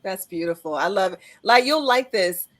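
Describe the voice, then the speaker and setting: A woman's voice: mid-range voice, expressive, normal speed, a bit bright. A woman hosting a casual panel interview, speaking in an encouraging, affirming way. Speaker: podcast host.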